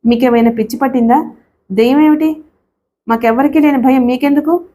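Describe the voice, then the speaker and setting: A young wife in a storybook drama, tearful and stubborn, pressing her point again and again, as a woman narrator puts her on. Her voice sits a touch high and clear. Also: a little fast, dark tone. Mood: sharp scolding.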